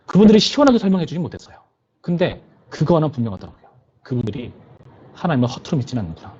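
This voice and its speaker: A man's voice: a little high, very animated, rapid-fire, a little mellow, breathy edge, lo-fi sound. A male pastor preaching to a youth service in a conversational way, often putting questions to his listeners.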